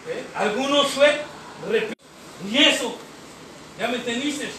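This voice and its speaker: High-voiced profane Mexican man in echoey hall. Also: moderate pace, pushed and bright, recorded from a distance. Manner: profane, rhetorical, keeps tagging lines with slang and "eh?". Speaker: speaker sharing at a recovery group meeting. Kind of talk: impassioned testimony from a podium. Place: meeting hall. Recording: echoey hall, recorded from afar, noisy.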